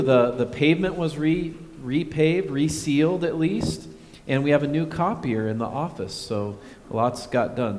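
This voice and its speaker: A man leading a church service, making announcements in a relaxed way with joking asides. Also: fairly high pitch. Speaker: pastor. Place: church sanctuary. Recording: reverberant church hall, faint noise.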